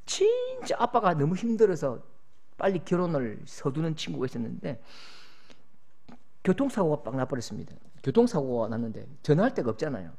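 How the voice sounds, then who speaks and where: Man, pastor, sermon, Gyeongsang accent, animated pitch, storytelling. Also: a little fast, gravelly. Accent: Gyeongsang Korean. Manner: lively storytelling, acting out voices.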